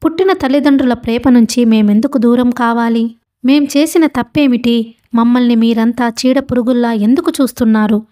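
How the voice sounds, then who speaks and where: A woman's voice: on the high side, fairly even intonation, a little fast, dark tone, close to an everyday voice. A woman voicing a tall young man in a storybook reading, accusing and reproachful. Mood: angry.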